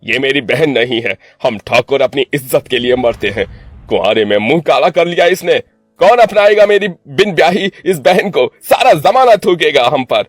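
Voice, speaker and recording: A man's voice: on the high side, lively intonation, moderate pace, no echo, soft background music, pitched above the performer's own voice. A man doing a harsh, furious stern brother. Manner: stern, shouting and menacing. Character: harsh proud young man, the strict brother.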